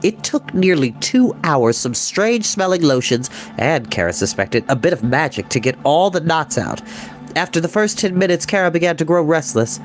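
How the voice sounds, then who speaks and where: A woman's voice: low voice, sing-song, moderate pace. A woman narrating a children's story expressively, as a storytime reader. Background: music.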